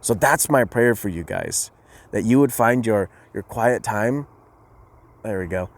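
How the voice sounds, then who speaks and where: Halting low-voiced youth pastor. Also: male voice, expressive. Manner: hesitant, many fillers and restarts. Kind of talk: informal youth sermon with a story.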